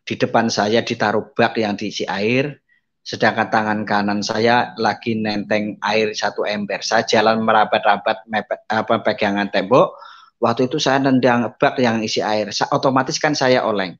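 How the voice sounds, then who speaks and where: A man's voice: steady tone, moderate pace. Blind man giving an emotional church testimony. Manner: addresses listeners as "saudara", dramatic drops to soft asides; acts out quoted voices with raised pitch. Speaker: testimony speaker. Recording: slightly dull lo-fi audio.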